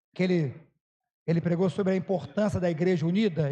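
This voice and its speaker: A high-pitched man's voice with ordinary pitch variation. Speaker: guest preacher. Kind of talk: sermon. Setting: church. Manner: emotional.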